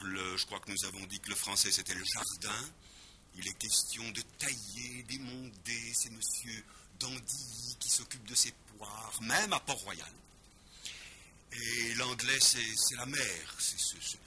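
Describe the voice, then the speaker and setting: A man's voice: mid-range voice, sharp tone, a little hiss or hum. A man giving a lecture in an emphatic way, often repeating words as he explains. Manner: drops in English words with exaggerated pronunciation.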